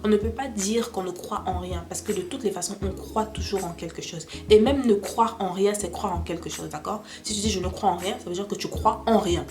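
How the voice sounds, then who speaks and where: A woman's voice: mid-range voice, a little fast, few pauses, a little mellow. A young woman with a cold, stuffy voice, earnestly talking to camera about Christian faith and often checking in with "d'accord?". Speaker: Christian vlogger. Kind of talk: casual faith talk to camera. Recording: clear music in the background.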